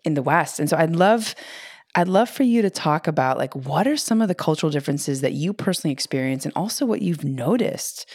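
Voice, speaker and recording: A woman's voice: sits low, expressive, brisk, a little mellow, husky, dry recording, clean studio sound. A woman hosting an interview, chatting casually and reacting with enthusiastic affirmations. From United States. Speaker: podcast host.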